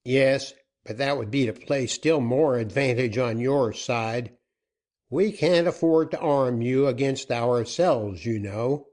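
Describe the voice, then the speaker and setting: A man voicing a commanding outlaw captain in a storybook reading, loud and forceful. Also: mid-range voice, slow pace, pitched above the performer's own voice, lightly acted.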